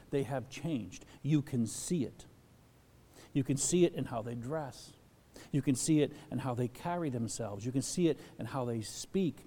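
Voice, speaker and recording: A man preaching a sermon as a pastor, animated, acting out the voices of the people he quotes. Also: mid-range voice. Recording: long hall reverb.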